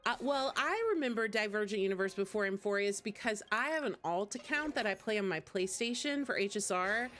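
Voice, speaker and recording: A woman's voice: mid-range voice, expressive, a little fast, hardly any pauses, fairly bright tone. A woman hosting a game livestream, chatting informally with viewers as she plays. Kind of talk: casual chat while gaming, replying to viewers. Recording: music playing behind the voice. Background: game music.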